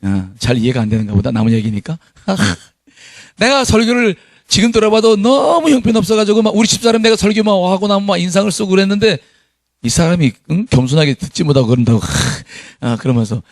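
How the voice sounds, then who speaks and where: A man's voice: a little high, very animated, fast talker, a little mellow, dry recording, studio quality. A middle-aged man preaching a sermon as pastor, reading scripture aloud with his congregation and chuckling at his own past.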